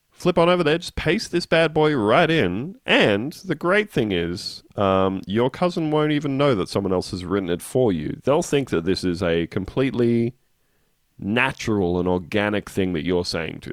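With an Australian accent, a man speaks at a medium pitch and moderate pace with very wide pitch swings, in a very clean recording with a silent background. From Australia (Canberra). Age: 40s. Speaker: podcast co-host. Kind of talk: casual chat.

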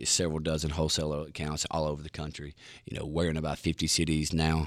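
A man's very deep, low voice in a Southern US accent at a fairly quick pace, on a very clean recording with a silent background. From US South, Mississippi. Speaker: business owner. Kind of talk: casual chat.

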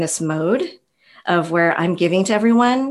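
A woman's unremarkable speaking voice at medium pitch, with lively intonation and a fairly slow pace. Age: 40s. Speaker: graphic designer and entrepreneur. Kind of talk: casual chat. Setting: live online session with audience.

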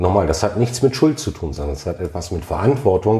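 In a very deep, low pitch with a dark, mellow tone, a man speaks somewhat breathily at a fairly quick pace with lively intonation. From Germany, Lower Saxony. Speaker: mayor. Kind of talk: casual chat.

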